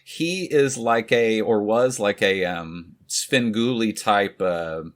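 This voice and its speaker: A man's voice: fairly low pitch, slow. A man co-hosting a podcast, chatting casually about a film, joking, laughing often and trailing off into rambling asides. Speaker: podcast co-host. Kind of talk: casual film-review chat.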